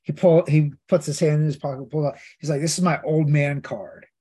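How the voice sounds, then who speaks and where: A man with a slightly raised pitch, chatting casually on a comics podcast. He tells long convention stories full of asides, retelling what people said to him. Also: steady tone, a little fast, mellow, breathy edge. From Pittsburgh. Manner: chatty, storytelling with many asides and quoted voices. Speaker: podcast co-host. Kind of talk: casual chat.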